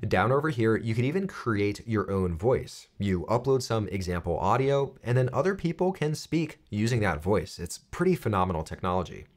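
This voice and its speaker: An American man in his thirties giving clear, step-by-step instructional narration for a software tutorial. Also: fairly low pitch, very animated, normal speed, hardly any pauses. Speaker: tutorial presenter.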